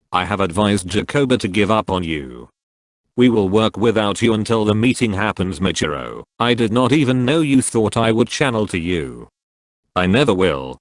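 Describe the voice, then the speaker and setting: A man's voice: fairly low pitch, no echo, studio quality. A man reading social media posts aloud, speaking every handle and symbol out literally.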